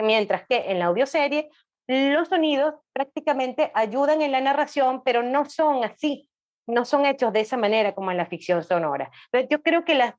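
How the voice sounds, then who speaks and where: A woman guest explaining things casually and talkatively, often checking in with little tag questions, on a slightly dull recording. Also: a little high. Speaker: podcast guest, audiobook specialist.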